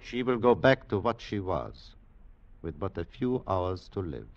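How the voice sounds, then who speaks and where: An actor playing a grave, world-weary older German scientist in a 1940s radio drama, speaking deliberately. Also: male voice, deep voice, sing-song, slight background noise, heavily acted. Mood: grave, foreboding. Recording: muffled 1940s radio broadcast.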